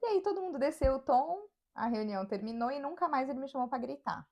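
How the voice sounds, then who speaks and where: A Brazilian woman with a Brazilian Portuguese accent co-hosts a casual podcast, telling personal stories and acting out the voices she quotes. Her voice is high, animated, and a little mellow, and she speaks quickly.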